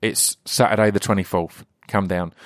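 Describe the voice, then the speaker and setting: The sound is dry and close, with no echo. In an English accent, the man speaks. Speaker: podcast host. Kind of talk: casual chat. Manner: rambling, halting.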